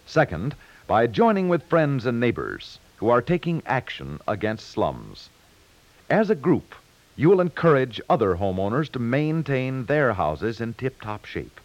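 A man with an American accent reading scripted 1950s radio announcements in a formal, emphatic, measured way. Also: mid-range voice, sing-song, no room sound. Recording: muffled 1950s radio broadcast.

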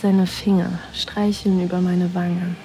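A woman narrating an erotic audio drama in the first person, in a breathy, sensual way that slips into whispers. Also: on the low side, flat delivery, measured pace, warm tone.

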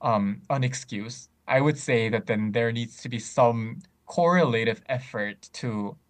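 A man in casual discussion, speaking thoughtfully with frequent pauses and restarts. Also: mid-range voice. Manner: many fillers and restarts, thoughtful.

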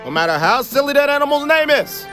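A woman's voice: sits high, sing-song, fast talker, over music, pitched above the performer's own voice. A woman voicing a male house cat who makes a grand, pompous speech. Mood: rousing. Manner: pompous, declamatory.

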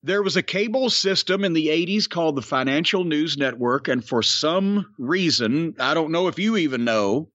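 A man's voice: on the high side, expressive, moderate pace, few pauses, a bit bright, no echo, highs cut off. A middle-aged man, hosting a wrestling podcast, drawling and storytelling as he quizzes his co-host. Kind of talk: casual wrestling podcast chat.

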